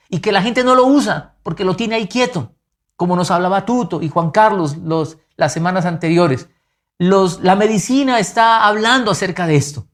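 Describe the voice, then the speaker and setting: Preacher guy, bit high voice, earnest, goes loud then real soft. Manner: earnest, emphatic preaching with lively rises and soft drops. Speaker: pastor. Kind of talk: sermon.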